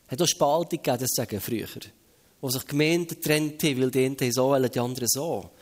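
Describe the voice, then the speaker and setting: A man with a Swiss German accent preaching a lively sermon, telling a Bible story and acting out the crowds and bystanders with animated flair. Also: medium pitch, fast talker.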